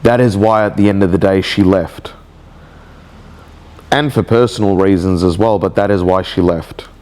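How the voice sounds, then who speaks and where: A man recording a personal video diary, speaking in a slow, halting, reflective way with many restarts. He has a cold, and his nose sounds blocked. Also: low voice, fairly even intonation, darkish tone. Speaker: vlogger.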